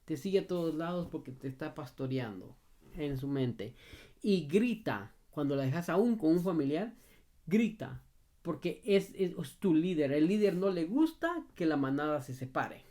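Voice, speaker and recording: Answering a viewer's question in a relaxed advice video, a dog trainer talks at a normal pace with a warm, medium-pitched voice that swings widely in pitch. Speaking straight to the viewer in familiar second person, the trainer stresses and repeats points, frequently adding "ok?"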